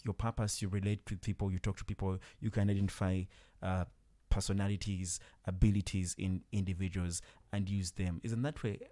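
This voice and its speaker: A man interviews a guest in a radio studio. His voice is deep and dark, with a relaxed tone. He phrases things thoughtfully and a bit hesitantly, dropping in brief affirmations.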